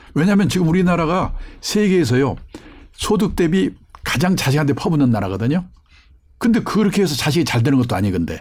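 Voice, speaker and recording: Talking very fast yet with long, frequent pauses, a man with vocal fry uses a fairly high pitch that swings very widely. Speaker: pension and retirement finance expert. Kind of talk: interview.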